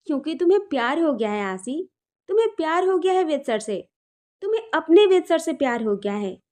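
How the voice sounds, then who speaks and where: A woman voicing a caring young female friend who gently presses with earnest questions. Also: high voice, big pitch swings, a little fast, pitched above the performer's own voice. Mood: tender. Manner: probing, coaxing, earnest.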